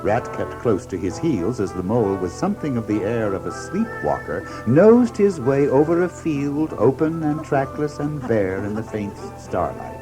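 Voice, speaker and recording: A man plays a storybook narrator with a medium-pitched, very animated voice. He reads in a measured, literary and gently dramatic way, with music clearly playing behind him. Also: lightly acted, poor audio. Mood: measured, atmospheric.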